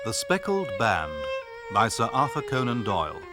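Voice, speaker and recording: A man's voice: mid-range voice, wildly swooping pitch, over music. Guy reading radio play credits, formal, violin playing under him. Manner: measured, formal announcing. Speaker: announcer.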